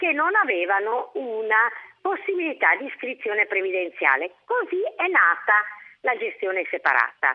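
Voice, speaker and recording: High-pitched woman's voice, swinging very widely in pitch. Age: 60s. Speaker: pension institute executive. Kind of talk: radio interview.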